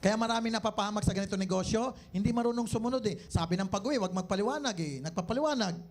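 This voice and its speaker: A man's voice: high-pitched, racing. A man with a Filipino accent, the owner of a company, giving a live sales seminar and teasing his audience with jokes and rhetorical questions.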